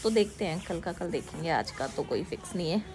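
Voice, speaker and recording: A woman's voice: fairly low pitch, brisk. A young woman chatting casually as she films a family vlog on a sunny rooftop, talking to the camera and now and then cooing at small children. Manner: chatty, relaxed, coos playfully at small children. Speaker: vlogger. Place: outdoors on a sunny rooftop at a relative's house.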